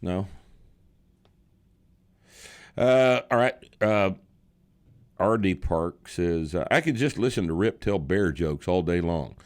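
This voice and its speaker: A man's voice: low-pitched, lively intonation, normal speed. A man in his sixties hosting a podcast, chatting in a blunt, sarcastic, joking way. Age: 60s. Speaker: podcast host. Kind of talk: casual chat.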